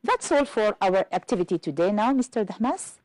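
A woman English teacher explaining syllables slowly and carefully in a clear classroom manner. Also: medium pitch, animated, a little mellow, no echo. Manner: careful, deliberate, spells out pronunciation. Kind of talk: slow clear classroom instruction.

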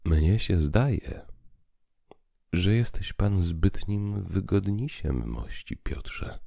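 A man voicing a wry, deliberate priest in audiobook dialogue. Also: low-pitched, lively intonation, creaky, dark tone, dry recording, studio quality, exaggerated voice. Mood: chiding. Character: wry, unhurried male priest chiding a sceptic.

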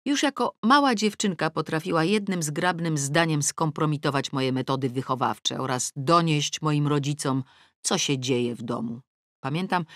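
A woman narrating an audiobook in the first person with a wry, ironic delivery and lively pitch swings, close to the mic. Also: dry recording. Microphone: close studio mic.

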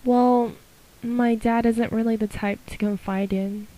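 A woman's voice: a little high, steady tone, measured pace, dark tone, close to an everyday voice, poor audio. A woman voicing a shy, kind teenage schoolgirl, hesitant and earnest, in an amateur voice audition.

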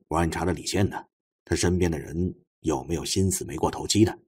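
A man's voice: low-pitched, fast, a little mellow, a little hiss or hum, pitched below the performer's own voice, close to an everyday voice. A man voicing a shrewd, laid-back male detective chief in an audiobook, grumbling colloquially with casual sardonic asides. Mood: musing, sardonic.

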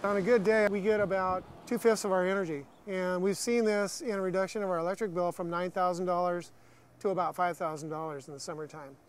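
A high-pitched American man explains things practically as he leads a walking tour of an industrial site. He talks off the cuff, with faint outdoor and machinery noise behind him. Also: fairly even intonation, brisk. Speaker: brewery staff giving a tour. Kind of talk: unscripted walk-through explanation.

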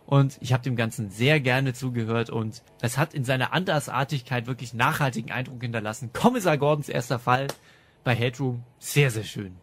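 Talking fairly quickly in a mid-range voice, a man hosts a podcast about audio dramas, offering casual, enthusiastic reviews with frequent laughter.

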